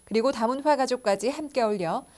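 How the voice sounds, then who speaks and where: High-voiced woman news reporter. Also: heavy background noise. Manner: formal, measured delivery.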